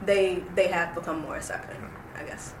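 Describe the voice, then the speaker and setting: A woman's voice: on the low side, steady tone, moderate pace. A young woman, recalling her early life in an oral history interview, reflective and hesitant with many fillers. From Roanoke, Virginia. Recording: echoey room with noise.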